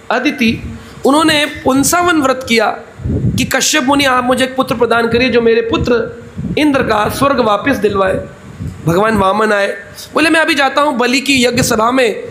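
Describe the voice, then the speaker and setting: In a temple hall, a man gives a Bhagavatam discourse sermon, narrating the story, acting out its dialogue, and asking the audience questions that he then answers himself. His voice is extremely high-pitched, pushed and bright. There's slight background noise.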